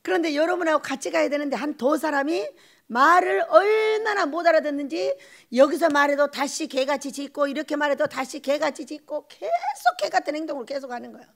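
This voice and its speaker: A woman pastor preaching a sermon in an animated way, acting out quoted voices and laughing often. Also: high-pitched, brisk.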